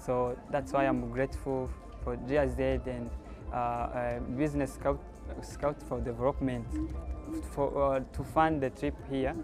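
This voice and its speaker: A man's voice: mid-range voice, flat delivery, unhurried, over music. A young man from Rwanda, a company owner, speaking hesitantly on a lapel mic.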